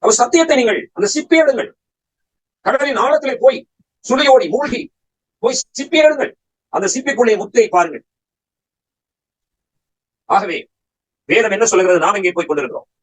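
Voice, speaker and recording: A man's voice: very high voice, expressive, fairly quick, long pauses, breathy edge, low-quality recording. A man preaching a Bible study sermon, firing rhetorical questions at his listeners and pressing his points with emphatic exhortation.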